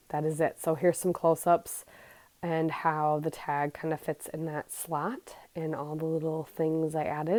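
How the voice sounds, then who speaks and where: A woman's voice: low voice, dark tone, no echo. A woman hosting a scrapbooking channel, narrating her project in a chatty, rambling way that trails off and corrects herself. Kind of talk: casual craft voice-over.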